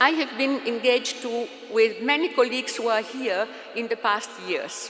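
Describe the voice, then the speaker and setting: A woman with an Italian accent speaks at a high pitch and a fairly slow pace, with ordinary pitch variation and noticeable background noise. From Italy. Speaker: professor. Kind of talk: conference keynote lecture. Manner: halting.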